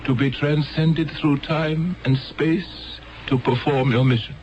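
An actor playing a solemn, commanding mission master from a distant galaxy in a 1970s radio drama, speaking in a formal, portentous and deliberate way. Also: male voice, fairly high pitch, steady tone. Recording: muffled old radio broadcast with loud music.

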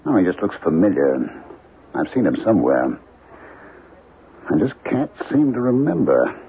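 A deep-voiced middle-aged husband and professor in a 1970s radio drama. He sounds preoccupied and evasive, with a gravelly creak, on a dull old broadcast recording. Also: sing-song, normal speed, a little hiss or hum. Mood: distracted, evasive. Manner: hesitant, preoccupied. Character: distracted middle-aged professor, a married man, brooding and evasive.

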